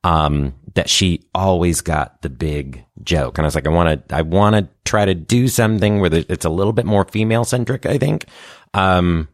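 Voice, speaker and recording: A man's voice: sits low, normal speed, dry recording, studio quality. A man talking casually in a group interview, joking a little and earnest when he explains things. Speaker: improv and radio play performer, guest.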